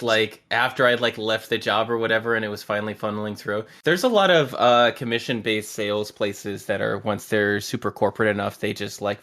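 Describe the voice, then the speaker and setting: A man's voice: lowish voice, a bit bright. A man hosting a casual interview podcast, talking in long, thoughtful, rambling turns and laughing easily. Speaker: podcast host.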